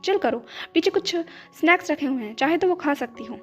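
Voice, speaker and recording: A woman's voice: high voice, expressive, brisk, a bit bright. A woman voicing a cheerful, tomboyish young woman who teases playfully and turns fiercely possessive, in a storybook reading. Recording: dull lo-fi with background music.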